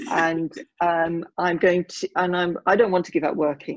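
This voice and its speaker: Someone with a British accent talks at a fairly slow pace, the sound dry and close with no echo. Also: woman. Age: 60s. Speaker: neurodiversity coach. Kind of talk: interview conversation. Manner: halting.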